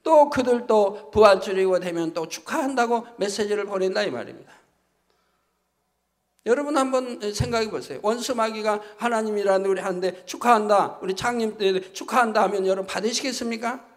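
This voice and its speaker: A pastor delivering a sermon, his voice pitched high for a man. He preaches emphatically, hammering each point home with repeated tag phrases. The sound rings with the long reverb of a church sanctuary. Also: animated, fairly quick.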